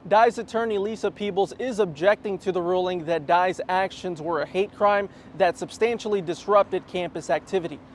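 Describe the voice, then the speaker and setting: A man's voice: sits high, moderate pace, few pauses, a little hiss or hum. A man reporting the news as a television reporter, reading a scripted report.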